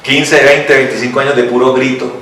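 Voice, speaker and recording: A male pastor from Colombia preaching a lively sermon, asking questions of the congregation and reading scripture aloud. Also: mid-range voice, fairly quick, a little hiss or hum. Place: church hall. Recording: echoey church hall, mic from a distance.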